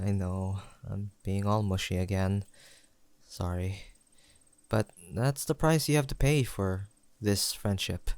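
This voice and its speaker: Male actor as teasing young best friend, lowish voice, dry sound, gentle, sincere, conversational audio roleplay. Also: no room sound. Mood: playful, fond. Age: young adult. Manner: gentle, playful, sincere, chatty.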